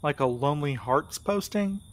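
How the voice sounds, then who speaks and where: A man acting in a fiction podcast as an earnest, gentle, anxious young courier, speaking sincerely and a little hesitantly. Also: on the high side, animated, moderate pace, natural voice. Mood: focused.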